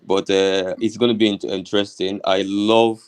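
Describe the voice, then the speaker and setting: A man with a Nigerian accent and a low voice speaks in a casual group discussion. His delivery is somewhat tentative, feeling for his words. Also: level tone, moderate pace, smooth.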